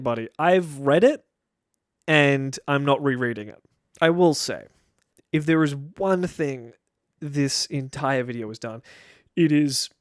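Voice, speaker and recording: A man's voice: fairly high pitch, dry recording, clean studio sound. A young man talking to the camera in a casual, rambling way, wry and full of self-interruptions. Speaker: video creator. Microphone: camera-facing mic.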